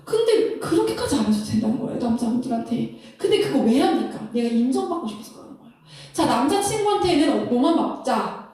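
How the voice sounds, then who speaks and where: Woman, high lively voice, Christian counselor, animated lecture, laughs a lot, very echoey room, a bit off-mic. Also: fast, recorded from a distance. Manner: animated, laughs often, acts out couples' lines. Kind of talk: lecture-style talk.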